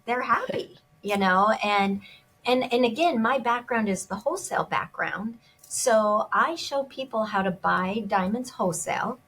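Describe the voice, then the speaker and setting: A woman's voice: medium pitch, a little hiss or hum, poor audio. A woman gemologist and jewelry designer speaking as an interview guest, enthusiastic and often restarting her sentences.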